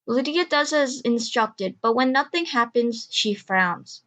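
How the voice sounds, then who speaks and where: A woman's voice: fairly high pitch, animated, measured pace, a bit bright. A woman reading scripted story narration as the narrator of an audio drama.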